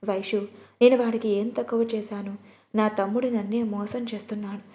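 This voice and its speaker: Devoted young husband, tearful and pleading, dark mellow tone, voiced by a woman narrator in an audio storybook. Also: sits high, level tone, brisk, close to an everyday voice. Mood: grieving.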